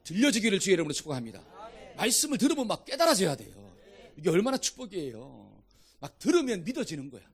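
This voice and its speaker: A male pastor preaching an interactive sermon, asking the congregation questions and shouting commands at demons. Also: high-pitched, wildly swooping pitch, fast talker, vocal fry, husky. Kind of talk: interactive sermon with call-and-response.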